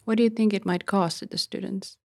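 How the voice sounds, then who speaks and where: Woman interviewer, deep fry-tinged voice, warmly affirming her guest. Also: fairly even intonation, a little fast, no room sound, clean studio sound. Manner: affirming, encouraging listener. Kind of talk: conversational interview.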